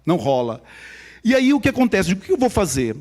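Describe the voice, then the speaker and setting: A man's voice: high voice, very animated, fairly quick, a little mellow. A man from Maranhão in Brazil, with a local accent, tells his personal testimony to a church congregation in a conversational storytelling way. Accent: Maranhão Brazilian Portuguese. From São Luís, Maranhão, Brazil. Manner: conversational storyteller, speaks directly to the audience. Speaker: guest speaker at church.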